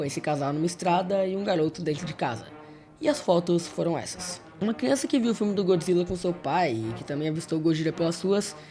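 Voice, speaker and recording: A man's voice: high-pitched, a little mellow. A man with a Brazilian accent narrates a story recap as a video host, in a casual scripted style with informal, wry asides. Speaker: YouTube host narrating horror series recaps.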